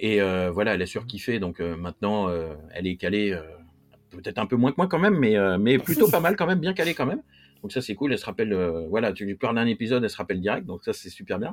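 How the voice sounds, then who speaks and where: This man speaks at a very fast pace, his pitch swinging very widely. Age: 30s. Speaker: YouTuber and fan guest. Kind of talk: casual interview.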